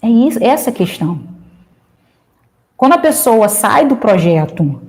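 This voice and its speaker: Woman, fairly high voice, lively and emphatic, loud when excited, jokey anecdotes, casual advice. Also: unhurried. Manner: tells anecdotes, jokes along the way. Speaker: social project leader speaking to a group.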